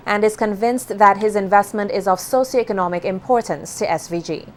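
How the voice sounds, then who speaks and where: A woman anchoring a local television newscast, reading scripted news items in a measured, formal way. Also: mid-range voice, a little hiss or hum. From Saint Vincent and the Grenadines.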